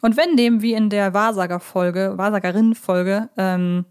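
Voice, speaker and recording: A woman's voice: mid-range voice, moderate pace, darkish tone, smooth. Woman chatting thoughtfully as podcast host. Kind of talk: casual discussion of audio drama characters.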